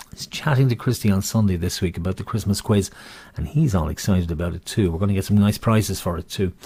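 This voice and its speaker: A man's voice: fairly low pitch, a little mellow, husky, no room sound. A man working as a bingo caller, calling numbers with rhyming nicknames and chatting jokily in between in a rambling way.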